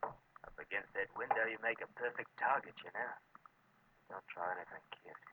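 A man playing a sly, threatening small-time gunman who speaks quietly in a 1940s radio crime drama. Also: on the low side, moderate pace, phone-quality sound, background noise, close to an everyday voice. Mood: quiet menace.

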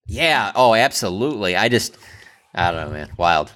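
A man's voice: on the low side, lively intonation, a bit bright. A man cohosting a sports podcast, rambling through stories with fillers and easy laughs. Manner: rambling, laughs easily, bursts of quick talk. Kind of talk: casual sports chat.

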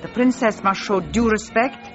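A woman's voice: medium pitch, normal speed, lightly acted. An actress playing a strict, controlling aristocratic mother, giving stern clipped commands. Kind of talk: period drama acting. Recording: dull lo-fi with music behind.

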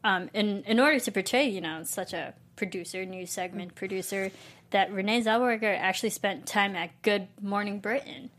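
A woman's voice: medium pitch, moderate pace, fairly bright tone. Chatty woman co-hosting a film chat. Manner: chatty, trails off and restarts, laughs easily. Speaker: podcast co-host. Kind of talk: casual film discussion.

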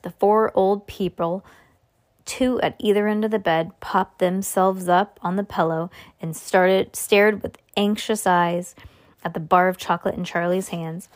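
A woman hosting a podcast, reading a children's book aloud in a relaxed way with small slips. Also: medium pitch, unhurried.

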